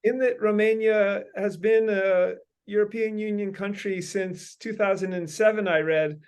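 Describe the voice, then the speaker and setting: A man's voice: high-pitched, steady tone, measured pace, smooth. A man hosting a meeting, brainstorming in long winding sentences full of ums and uhs. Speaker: host leading a meeting.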